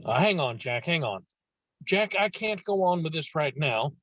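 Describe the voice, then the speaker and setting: A man's voice: fairly high pitch, big pitch swings, moderate pace, a bit bright, dry recording, highs cut off. A man playing a domineering, blustering 1920s businessman father in a table read, brusque and insistent. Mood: brusque, confiding.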